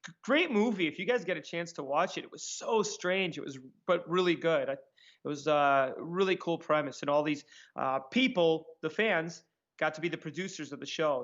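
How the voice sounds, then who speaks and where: A man telling stories in a casual interview, acting out what people said in a higher voice. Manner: animated, acts out quotes in a higher voice. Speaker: magician guest. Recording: dull lo-fi sound.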